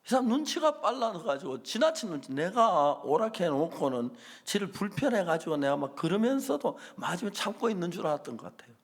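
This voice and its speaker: A middle-aged man, preaching a sermon as a pastor and telling stories with acted-out dialogue and sudden loud bursts. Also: sits high, big pitch swings, fairly quick, few pauses.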